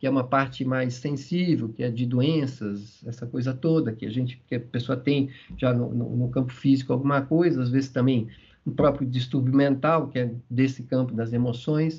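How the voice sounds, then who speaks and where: A man with a medium-pitched, somewhat breathy voice speaks at a moderate speed, his intonation fairly even. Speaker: spiritist lecturer. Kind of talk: lecture.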